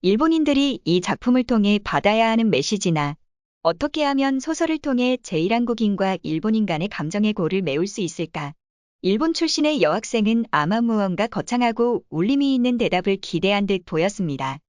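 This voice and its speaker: A woman's voice: mid-range voice, no room sound. A woman narrating a video in a scripted read. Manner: fast, lively reading.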